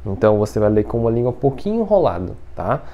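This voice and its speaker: A Mandarin teacher giving an online language lesson, patiently checking in after each point and slowly repeating each syllable. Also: mid-range voice, very animated, dull audio. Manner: patient, ends phrases with checking tags.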